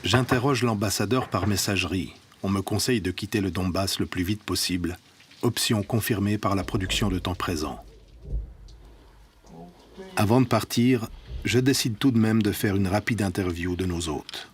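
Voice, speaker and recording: A man with a deep voice narrates a documentary report as its reporter. He has a Swiss French accent and reads from a script. There is clear noise in the recording. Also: moderate pace.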